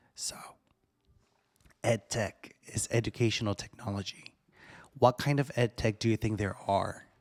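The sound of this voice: A man puts on a hoarse character voice, speaking quietly at a moderate pace and a medium pitch. His intonation stays fairly even.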